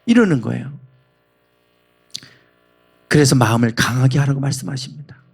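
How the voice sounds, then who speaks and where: A man's voice: mid-range voice, expressive, moderate pace, gravelly, husky. A man preaching a sermon as pastor in a church, speaking emphatically and leading the congregation in reading. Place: church sanctuary.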